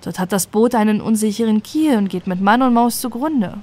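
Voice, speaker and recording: A woman's voice: mid-range voice, brisk, darkish tone. A woman narrating a scripted fairy tale as a bedtime audiobook.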